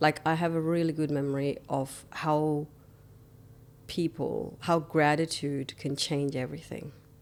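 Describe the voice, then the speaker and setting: A woman's very deep, low voice in a South Sudanese accent, with monotone, flat intonation at a fairly slow pace. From South Sudan, refugee camps until age eleven. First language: Nuer. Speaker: mental health centre founder. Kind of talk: podcast interview.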